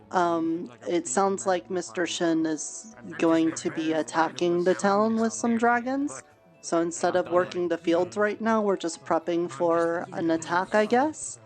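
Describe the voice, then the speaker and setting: A woman with a fairly low voice chats in character during a virtual-world roleplay, hesitant and reassuring, often restarting her sentences. Faint music plays underneath her. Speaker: roleplay player running a farm. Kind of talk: casual in-character roleplay chat. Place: online virtual world voice chat.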